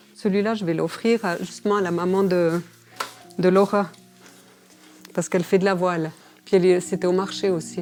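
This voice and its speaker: Monotone, flat speech from a woman at a moderate pace, with long, frequent pauses and music in the background. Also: medium pitch for a woman. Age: 60s. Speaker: interviewee, retiree. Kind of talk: personal testimony. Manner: hesitant, many fillers.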